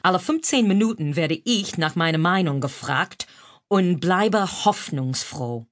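American lady reading her own funny memoir, lowish voice, german with a us accent, tosses in english bits. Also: measured pace. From United States. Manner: expressive, drops English phrases into German. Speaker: author narrating her own audiobook. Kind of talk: humorous memoir narration.

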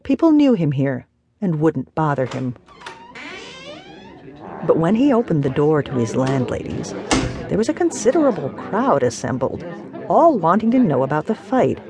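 A woman narrating a novel as an audiobook, measured and expressive. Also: deep voice, a crowd in the background. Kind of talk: scripted narration.

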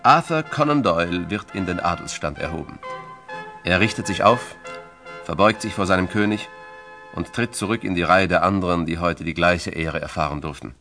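A man's voice: sits low, normal speed, over music. A man narrating a biography from a script in a dramatic, emphatic and solemn storytelling style.

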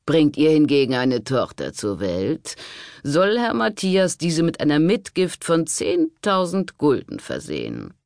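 This is a crafty, conspiring monk from a historical audiobook, voiced by a male reader. He talks slowly and smoothly in a gravelly voice. It is recorded close, in a dry space. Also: on the high side, wildly swooping pitch, a little mellow, dry recording, pitched above the performer's own voice, heavily acted. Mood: coaxing. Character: sly scheming monk, smooth and persuasive.

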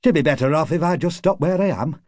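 A man's voice: on the high side, animated, quick pace, a little mellow, dry recording, clean studio sound, pitched above the performer's own voice. A man voicing an irritable, cynical working-class card player in an audiobook, grumbling in colloquial, sweary speech. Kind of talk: audiobook character acting.

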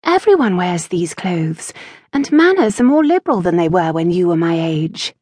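A woman's voice: fairly low pitch, sing-song, normal speed, darkish tone, no echo, studio quality, pitched above the performer's own voice. A woman playing an indignant young noblewoman. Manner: protesting, indignant.

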